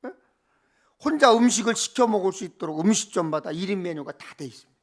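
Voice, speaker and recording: A man's voice: sits high, lively intonation, fast. A middle-aged man preaching as a pastor, moving between emphatic declaiming and conversational asides, with rhetorical questions and repeated phrases.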